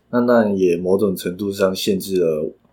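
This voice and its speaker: Very deep and low, a man's voice carries a dark, mellow tone and fairly even intonation. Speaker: university student, documentary maker. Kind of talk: casual chat.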